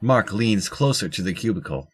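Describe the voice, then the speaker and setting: A man's voice: on the low side, animated, moderate pace, breathy edge. A man reading scripted narration for an audio drama.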